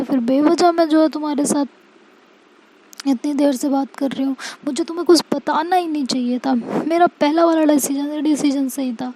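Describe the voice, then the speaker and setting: A woman's voice: sits high, pitched above the performer's own voice. A woman voicing a young woman who pleads with her partner and grows upset, in a storybook reading. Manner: pleading, tearful-sounding, rising to shouts.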